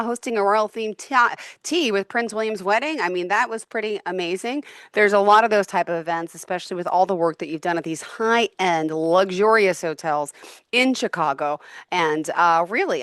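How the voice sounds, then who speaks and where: A woman's voice: lowish voice, a bit bright, clear, resonant tone, no room sound, studio quality. A woman hosting a podcast interview, enthusiastic and affirming toward her guest. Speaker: podcast host.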